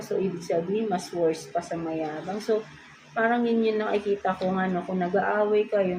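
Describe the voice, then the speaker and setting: A woman with a Filipino accent giving a casual tarot reading, chatty and ending almost every phrase with a questioning "no?". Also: on the low side. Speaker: tarot reader. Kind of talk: casual tarot reading, mixing Tagalog and English. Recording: clear background noise.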